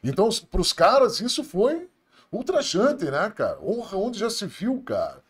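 Animated, blunt middle-aged man. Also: high voice, normal speed, slightly rough. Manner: profane, blunt, laughing. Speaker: police officer guest. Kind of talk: casual podcast storytelling.

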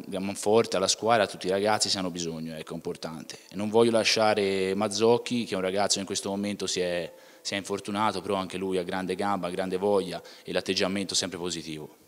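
A young man with a low voice answers questions as a footballer, speaking plainly and often restarting his phrases. He talks into a handheld mic in an indoor room. The room adds a long reverb behind him. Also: steady tone, brisk. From Tuscany, Italy. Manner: plain, with frequent restarts and filler "ecco". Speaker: footballer, interview guest. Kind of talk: casual interview answers. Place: indoor club museum room.

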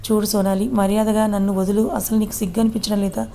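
A woman's voice: medium pitch, level tone, fast talker, gravelly, warm tone, slight background noise, close to an everyday voice. A woman voicing a hot-tempered, troubled young man, scolding bluntly in a read-aloud story. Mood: angry.

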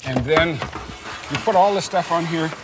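A man's voice: a little high, moderate pace, background noise. An older man hosting a children's science show, patiently asking questions and explaining an experiment in a kitchen set. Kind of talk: teaching a child.

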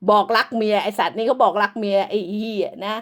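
A woman's voice: medium pitch, fast talker, fairly bright tone. A woman delivering an angry, profane, scolding rant as an online commentator, hurling insults throughout.

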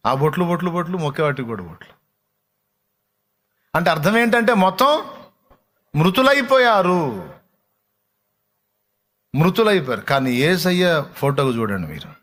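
A male pastor preaching an impassioned sermon, asking his congregation questions. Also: medium pitch.

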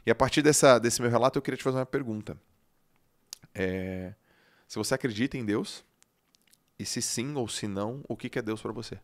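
A man hosting a podcast, telling a personal story in an animated way that swings between loud and hushed, with some casual swearing. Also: mid-range voice, brisk, long pauses. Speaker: podcast host.

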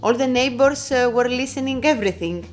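Loud-voiced woman from Greece, chatty. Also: high-pitched, expressive, fairly quick, soft background music. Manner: loud voice, hesitant non-native English with many fillers. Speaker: co-presenter. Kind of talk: casual chat at a motor show. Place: busy indoor motorcycle exhibition hall. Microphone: clip-on mic worn by co-presenter.

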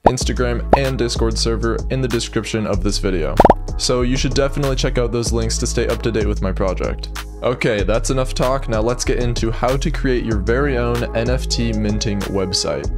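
A young man hosting a coding tutorial, walking through each step in a steady, plain manner, recorded on a desk mic in a small home studio. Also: medium pitch. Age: young adult. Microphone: seen studio desk mic on arm.

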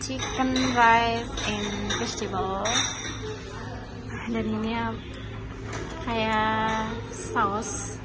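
A woman's voice: fairly high pitch, flat delivery, drawn-out words, pauses often, rough recording. A woman, chatting upbeat through a restaurant food review vlog, filmed on a phone at arm's length. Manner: chatty, upbeat, keeps saying "guys", mixes in English words. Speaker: food vlogger. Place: indoor restaurant, cafe table. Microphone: phone camera at arm's length. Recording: loud background music.

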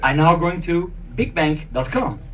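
Animated higher-pitched man, recorded from afar. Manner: deliberate, playfully theatrical. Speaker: participant acting in a staged demonstration. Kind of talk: improvised didactic role-play to an audience. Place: conference meeting room. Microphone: handheld mic, picked up by far camera. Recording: distant, noisy room camera pickup.

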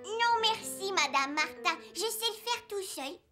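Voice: extremely high pitch, lively intonation, unhurried, over music. A performer voicing an eager four-year-old boy in a children's cartoon, speaking simply and childishly. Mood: cheerful, eager.

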